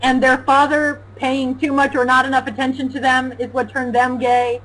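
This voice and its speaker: A young woman co-hosting a casual talk show, loud and animated, often laughing and mocking. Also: high voice, normal speed, low-quality recording. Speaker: co-host.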